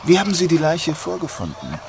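A man's voice: fairly high pitch, wildly swooping pitch, a little fast, vocal fry, noisy background, full character voice. A man playing a grumpy, sardonic detective inspector in a German crime audio drama. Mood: businesslike. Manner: sarcastic, dry. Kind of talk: German crime radio play acting.

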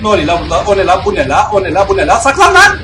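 Young guy doing let's play commentary, mumbles then yells and swears at enemies, echoey room. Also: high voice, rapid-fire, a little hiss or hum. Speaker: gamer playing a video game. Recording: roomy echo with faint game music.

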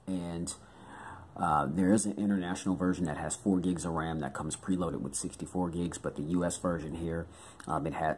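A hoarse man from the United States talking casually as a tech reviewer, chatty and full of fillers. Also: extremely low pitch, a little hiss or hum.

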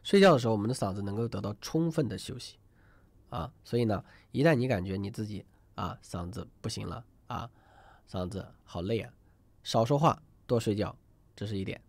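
A man's voice: fairly low pitch, a little fast, creaky, darkish tone, no echo. A man teaching an online singing class, chatty and rambling, often asking students to type numbers in the chat. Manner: rambling with many fillers and restarts. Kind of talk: live online class lecture.

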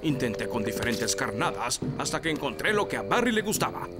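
A man's voice: mid-range voice, big pitch swings, a little fast, over loud music, lightly acted. A man voicing a bossy, theatrical elf fishing captain in a Latin American Spanish cartoon dub. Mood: ominous storytelling.

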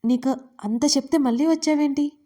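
A woman doing an anguished young heroine for an audio drama, stammering and shaky. Her voice sits high but sounds soft and mellow. She stays defiant throughout. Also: brisk, close to an everyday voice. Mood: flustered. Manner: trembling, stammering speech.

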